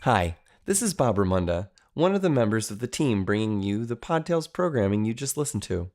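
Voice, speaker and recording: A man's voice: lowish voice, big pitch swings, a little fast, a little mellow, faint music behind. A man speaking as an announcer for his organisation, reading scripted promotional narration. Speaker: festival team member, announcer.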